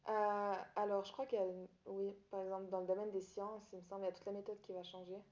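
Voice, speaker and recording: Soft-toned woman answering interview questions. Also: mid-range voice, level tone, quick pace. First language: Italian. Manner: hesitant, many fillers and restarts. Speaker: student teacher. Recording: dull echoey room recording.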